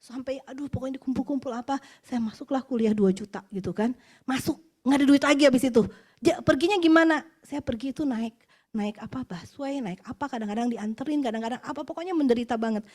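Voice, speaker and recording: Woman in her 40s from west java, high voice, chatty expressive church testimony, laughs between points. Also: quick pace. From West Java, Indonesia. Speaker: guest speaker at an office worship meeting. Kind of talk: personal testimony sermon.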